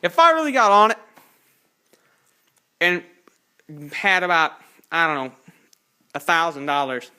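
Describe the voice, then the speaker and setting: A man's voice: high voice, sing-song, measured pace, pauses often, sharp tone, clean tone. An eighteen-year-old man casually walking through his car project in a home garage, rambling and correcting himself as he films on a phone. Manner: rambling, self-correcting, plain-spoken. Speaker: hobby car builder. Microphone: handheld phone camera.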